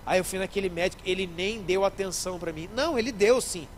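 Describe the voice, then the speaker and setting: High-voiced pastor preaching. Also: male voice, fast, slight background noise, poor audio. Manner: animated, acts out scenes, addresses the congregation directly. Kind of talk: sermon. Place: church.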